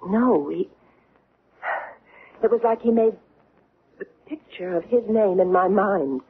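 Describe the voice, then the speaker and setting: A woman's voice: mid-range voice, slow pace, breathy edge. An actress playing a bewildered young woman in an old-time radio drama, recounting an alien abduction in a hesitant, wondering way. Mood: hesitant, earnest. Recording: tinny, band-limited, noisy radio recording.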